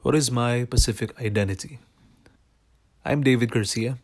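A man from the Philippines, a guest on a podcast, telling personal stories in a reflective, unhurried way with small restarts. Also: medium pitch, music in the background. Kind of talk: personal storytelling.

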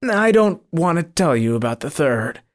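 A sly devil in the form of a huge cat, as a storyteller puts it on, answering in a higher, pinched tone. It whines and holds back, cowering under threat. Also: very animated, moderate pace, close to an everyday voice.

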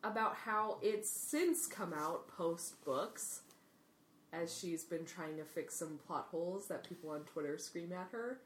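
A woman's voice: lowish voice, measured pace, a little hiss or hum. A woman co-hosting a podcast, talking through a book in casual chat. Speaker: podcast co-host. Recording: roomy, echoey sound.

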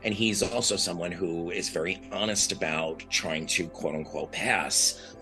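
A man's voice: deep voice, measured pace, music in the background. A man from New York, a guest on an interview podcast, talking in an earnest, reflective way with restarts. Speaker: guest, blind advocate.

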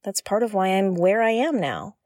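An actress playing a feisty, irreverent woman who broadcasts from her own ship, expressive and candid in an audio drama. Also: mid-range voice, normal speed, no echo, studio quality, natural voice. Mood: sheepish, defensive. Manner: expressive, candid, prone to gleeful giggling. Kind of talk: audio drama acting, conversational.

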